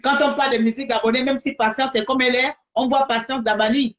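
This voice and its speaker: A woman's voice: sits high, fairly even intonation, quick pace, background noise. A woman in a casual video-call debate who agrees readily and then insists firmly on her point, speaking into a phone held close in a plain room. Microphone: phone camera held close.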